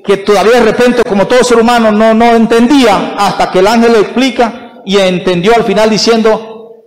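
A man preaching a sermon at Mass as a priest, emphatic, asking the congregation questions and answering them himself. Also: high-pitched. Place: church. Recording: long church reverb.

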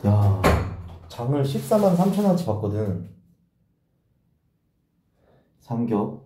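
A man's voice: medium pitch, big pitch swings, normal speed, noisy background. A man live-streaming outdoors at night, chatting bluntly and swearing as he shivers from the cold. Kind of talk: casual live-stream chat. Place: outdoors at night at a holiday cabin.

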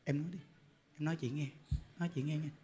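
A sly younger woman spreading gossip, as a preacher puts her on, speaking low and hushed as she coaxes her listener to hear more. Her voice is soft and insistent. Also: brisk, slight background noise, close to an everyday voice. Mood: coaxing.

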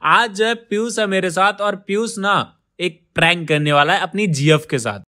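A man's voice: sits high, moderate pace, bright, forceful tone. A young man hosting a gaming prank video, chatting casually and pleading playfully with his teammates. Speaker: gaming YouTuber host.

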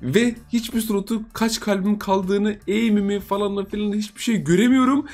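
A man's voice: sits high, steady tone, moderate pace, darkish tone, faint music behind. A young man giving chatty live commentary on a game he is playing, repeating himself and teasing the other players. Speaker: gaming YouTuber.

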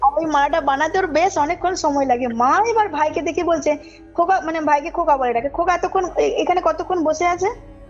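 A high-pitched woman phones in and talks fairly quickly through a personal tale, keeping it casual and insistent and checking in often to be sure her listener understands. The call sounds muffled under loud music playing behind it.

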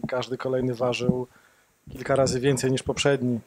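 A man's voice: mid-range voice, level tone, normal speed, background noise. A man in the audience asking a curious, direct question at a tech meetup in a conference room.

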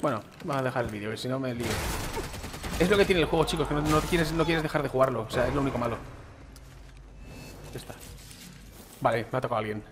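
A man's voice: medium pitch, fast talker, long pauses, noisy background. Chatty Spanish man playing a game. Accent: Spain Spanish. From Spain. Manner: chatty, slangy, addresses viewers as "chicos" and "tío". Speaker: gaming YouTuber. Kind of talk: casual gameplay commentary.

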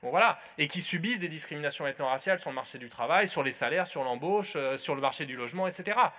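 A man speaking on a conference panel, his voice bright and ringing, a touch higher than most men. He thinks aloud as he goes, with frequent restarts and fillers. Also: animated, fast talker. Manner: thoughtful, many restarts and fillers.

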